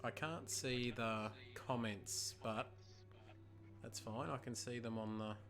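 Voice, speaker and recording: A man hosting a live stream, loud and chatty, swearing freely. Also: steady tone, slow pace, soft background music. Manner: loud, swears, booming greetings. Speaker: stream host. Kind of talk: casual live stream banter.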